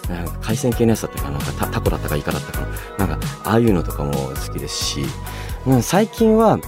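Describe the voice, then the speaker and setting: A man hosting a radio show, chatting and reading listener mail in a polite, expressive manner. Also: low-pitched, rapid-fire. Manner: polite, expressive, often breaking into laughter. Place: radio studio. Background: background music.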